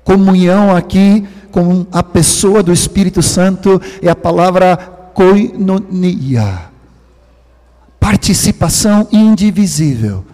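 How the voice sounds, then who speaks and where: A man in his sixties from Sweden, speaking as a preacher with a Swedish accent, stretching key words slowly and sinking into hushed near-whispers for emphasis. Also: high-pitched, long reverb tail. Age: 60s. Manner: slow, drawn-out stress on key words. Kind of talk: sermon.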